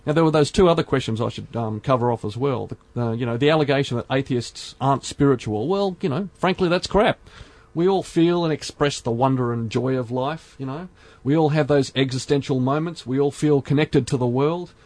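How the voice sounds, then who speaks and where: A man hosting a podcast, speaking earnestly in measured phrases with frequent fillers. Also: mid-range voice, a little mellow, dry recording. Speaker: podcast host. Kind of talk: casual podcast discussion.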